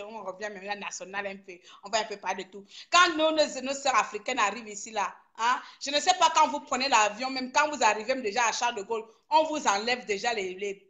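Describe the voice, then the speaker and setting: A high-pitched woman from Gabon ranting on a live online stream. She scolds and confronts as she talks, with bursts of broken English. Her voice sits well above the usual woman's range. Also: fairly bright tone. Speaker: online activist. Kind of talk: live social media rant.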